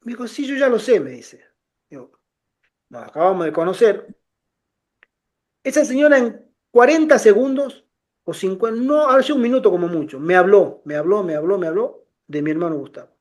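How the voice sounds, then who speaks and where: A middle-aged man telling personal stories in a casual conversation, animated, restarting phrases often and acting out the voices of people in his anecdotes. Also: high-pitched, moderate pace.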